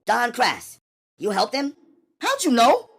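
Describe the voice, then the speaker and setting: A man voicing a tough, streetwise young New woman who talks brashly and fast. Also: very high voice, huge pitch swings, a bit bright, slightly rough, pitched above the performer's own voice, exaggerated voice. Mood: indignant. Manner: brash, rapid-fire, indignant. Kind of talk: audiobook character voice.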